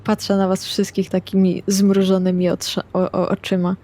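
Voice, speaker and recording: A woman's voice: mid-range voice, monotone, normal speed, warm tone. A woman playing a tabletop role-playing game, casually speaking in character and describing her actions. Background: music.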